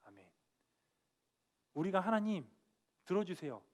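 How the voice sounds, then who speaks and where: A young man with a high-pitched voice delivers a church sermon. He speaks earnestly and with emphasis, sinking to a quiet tone and then lifting again as he drives home each point. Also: expressive, measured pace. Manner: earnest, emphatic, dropping soft then rising on key points. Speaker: preacher. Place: church sanctuary.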